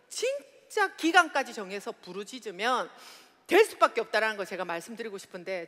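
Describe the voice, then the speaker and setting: High-pitched woman, seminar speaker, bright tone, hall reverb. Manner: loud, exclaiming, laughs often. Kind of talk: motivational seminar talk.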